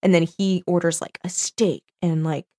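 Podcast co-host, woman, lower pitch, loose banter, hams up read-aloud passages. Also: steady tone, moderate pace, dark tone. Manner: reads passages aloud with playful emphasis. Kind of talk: casual chat reading from a book. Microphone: studio microphone.

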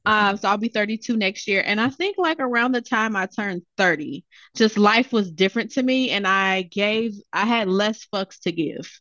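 A woman's voice: medium pitch, moderate pace, few pauses, fairly bright tone, no room sound, lo-fi sound. A woman of thirty-one chatting as a guest, blunt and frank, often laughing. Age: 30s. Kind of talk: casual chat.

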